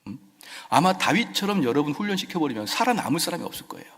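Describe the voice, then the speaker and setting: A male pastor preaching a dramatic sermon in a church, swinging from loud cries to whispers. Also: fairly high pitch, very animated, fast, husky. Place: church sanctuary. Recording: echoey church hall.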